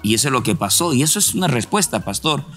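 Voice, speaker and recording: A man's voice: mid-range voice, very animated, fast talker, fairly bright tone, faint music behind. A man hosting a Christian program, commenting on the testimony in a preacherly way and quoting scripture. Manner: preacherly, reflective, quotes scripture. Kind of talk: sermon-like interview commentary.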